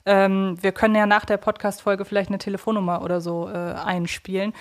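A woman's voice: medium pitch, flat delivery, a little fast. A woman co-hosting a casual podcast, thinking aloud in a reflective way. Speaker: podcast co-host. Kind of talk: casual conversational podcast discussion.

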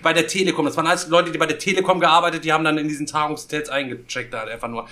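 Ein Mann mit heller, etwas hoher Stimme plaudert in einer Podcastrunde. Seine Art ist derb, aufgekratzt und voller Kraftausdrücke. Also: male voice, fairly high pitch, very fast. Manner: crude, excitable storytelling, slips into loud impressions. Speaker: podcast co-host. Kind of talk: casual storytelling chat.

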